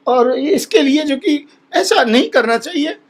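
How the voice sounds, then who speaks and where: A man's voice: very high-pitched, expressive, unhurried. A man, a Hindu holy man appearing as a guest in a heated television debate, who speaks in an impassioned, pleading way and keeps repeating himself.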